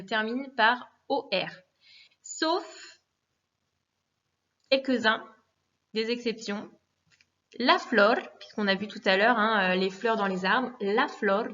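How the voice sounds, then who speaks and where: A woman teaching a lesson in a patient, methodical way, repeating forms and pausing with fillers. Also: fairly high pitch, a bit bright. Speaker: Spanish teacher. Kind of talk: recorded classroom lesson. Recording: dull lo-fi recording.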